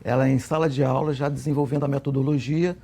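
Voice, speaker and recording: A Brazilian man with a Brazilian Portuguese accent, answering interview questions in a measured way and repeating his key points. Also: medium pitch, steady tone, gravelly, mellow, slightly rough. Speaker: guest, co-author of a literacy method.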